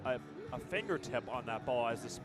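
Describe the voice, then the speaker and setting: A man giving live football color commentary in a conversational, slightly halting way. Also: medium pitch, lively intonation, over loud music. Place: outdoor stadium broadcast position. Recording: clear outdoor background noise.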